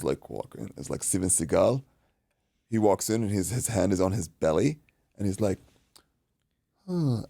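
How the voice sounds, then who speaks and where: Gravelly low-voiced man telling a story. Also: dry recording. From Iraq. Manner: animated, acts out quotes, swears freely. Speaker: guest, boxing coach. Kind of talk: casual storytelling.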